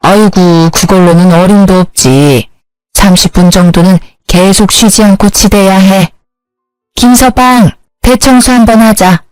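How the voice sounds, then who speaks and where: A woman voicing an older mother briskly ordering her son-in-law around. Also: medium pitch, darkish tone, no room sound, soft background music, close to an everyday voice, rough recording. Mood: bossy.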